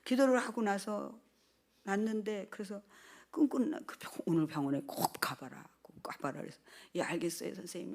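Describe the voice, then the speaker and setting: An older woman pastor giving a sermon testimony, telling her story with lively, animated delivery and acting out quoted speech. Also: mid-range voice.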